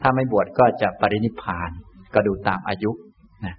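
A man, a Buddhist monk teacher, giving a calm, gentle dharma talk and answering questions. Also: on the low side, slightly rough, dull audio. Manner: calm, unhurried, gentle explaining.

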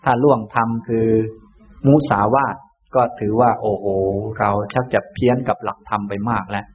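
A man, a Buddhist monk teacher, giving a calm, gentle dharma talk and answering questions. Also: mid-range voice, muffled recording, slight background noise. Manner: calm, unhurried, gentle explaining.

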